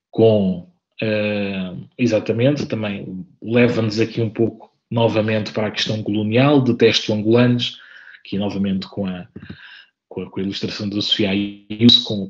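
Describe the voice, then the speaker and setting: Guy giving an informal author talk, kinda even tone, keeps repeating words, dull call audio. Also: on the low side. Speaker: author presenting his book at a debate. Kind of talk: informal presentation. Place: indoor room on a video call. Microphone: video-call microphone.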